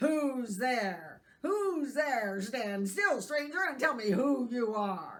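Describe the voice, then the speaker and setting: Growling in a put-on character voice, the speaker uses a fairly high pitch and a very slow pace. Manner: menacing, demanding.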